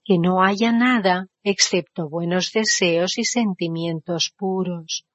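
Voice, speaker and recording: A woman interprets a spiritual discourse in a slow, unhurried delivery and a somewhat low voice. She keeps putting questions to her listeners and stops to explain foreign terms. The sound is dry and a bit dull, like a lo-fi recording. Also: dry recording. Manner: rhetorical questions to the audience, explains foreign words.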